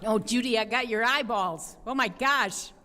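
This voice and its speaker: A woman's voice: on the high side, moderate pace, bright, forceful tone, slight background noise. A woman making a rambling, pointed public comment at a city council meeting. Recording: long reverb of a council chamber.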